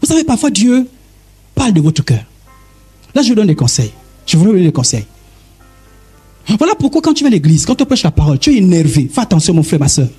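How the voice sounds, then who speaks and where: A man preaching a sermon, emphatic and addressing listeners directly, with a husky voice. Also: high voice, sing-song, fairly quick, long pauses, mellow, faint music behind. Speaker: pastor.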